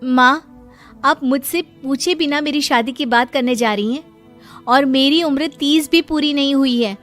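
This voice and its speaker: A woman voicing a firm, self-respecting young unmarried teacher in an animated story. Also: high voice, measured pace, faint music behind, voice pushed up. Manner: firm, defensive.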